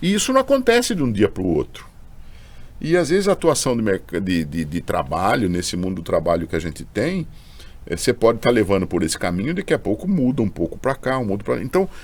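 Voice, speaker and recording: Very wide pitch swings at a fairly quick pace. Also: man, medium pitch for a man. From São Paulo state, Brazil (Piracicaba). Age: 60s. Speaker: professor. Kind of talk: podcast interview.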